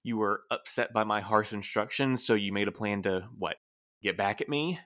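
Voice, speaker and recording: A man plays a reserved postmaster in an audio drama, his voice on the low side. He speaks formally and precisely, dry yet earnest, a dutiful sort who measures his words. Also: normal speed, a bit bright, natural voice. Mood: cool, reproachful. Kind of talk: scripted audio drama acting.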